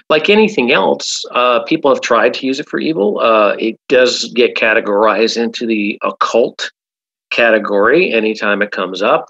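A man's voice: mid-range voice, fairly bright tone, highs cut off. A man, a hypnotherapist guest in an interview, talking emphatically and often repeating "absolutely". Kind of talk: casual interview talk.

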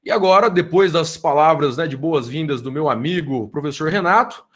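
A man's voice: fairly high pitch, moderate pace, fairly bright tone. A man with a Brazilian Portuguese accent, a law professor, gives an informal, effusive address to students in an online meeting, often tagging his sentences with "né?", heard over a video call. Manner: effusive, grateful, tags sentences with "né?". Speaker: law professor leading a research group.

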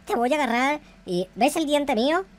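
An excitable, bossy, slangy gamer bantering through a Minecraft roleplay. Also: high voice, normal speed, background noise. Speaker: gaming video host. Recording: music under the voice. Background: music.

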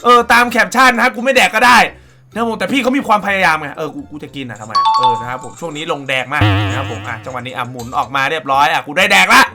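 A young man hosting a casual comedy reaction show, loud and crude, with frequent exclamations. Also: a little high, expressive, quick pace, over music. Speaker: reaction video host.

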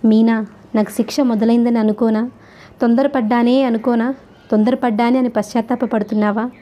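A woman reading the lines of an earnest, protective young husband in a gentle but firm, low voice. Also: steady tone, brisk, natural voice. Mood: tender.

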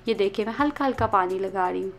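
A woman's voice: medium pitch, quick pace. A woman hosting a cooking channel, talking viewers through a recipe in a chatty, explanatory voice-over.

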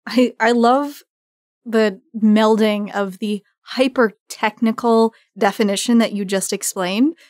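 A woman's voice: fairly high pitch, steady tone, slow pace, darkish tone, no room sound, clean studio sound. A woman hosting a casual roundtable chat and asking questions in a playful, teasing way. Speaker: interviewer, roundtable host.

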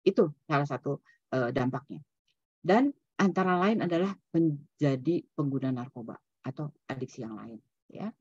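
Lady psychologist doing a webinar lecture, casual and chatty, a bit breathy, muffled video call audio. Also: sits low, lively intonation, moderate pace, darkish tone, no echo. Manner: conversational, mixes in English terms, many "gitu ya" tags. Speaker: psychologist presenting at a seminar. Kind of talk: online seminar lecture.

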